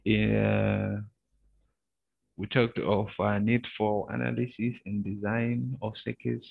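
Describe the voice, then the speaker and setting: Over screen-recorded video-call audio that is narrow and phone-like, a male university lecturer teaches online through a shared screen. His low, gravelly voice has little pitch movement, and his unhurried delivery halts often, with frequent pauses and filler sounds.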